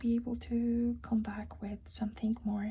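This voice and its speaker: Very slow speech over noticeable background noise. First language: Polish. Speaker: craft vlogger. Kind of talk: casual chat. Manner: halting.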